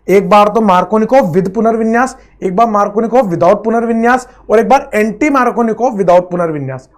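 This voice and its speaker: High-voiced man teaching chemistry. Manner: repeats phrases, drills students, calls them friend. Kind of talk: classroom lecture at a board.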